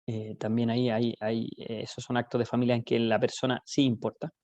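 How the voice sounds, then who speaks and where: A man with a Chilean accent giving an online law lecture, explaining with everyday examples, often pausing on "eh" and checking in with "¿ya?". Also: mid-range voice, flat delivery, darkish tone, dry recording.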